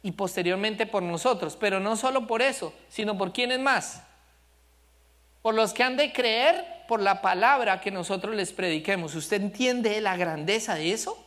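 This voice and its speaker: A man's voice: high voice, normal speed, fairly bright tone. A male pastor preaching a sermon, telling stories with animation and asking the congregation questions. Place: church service.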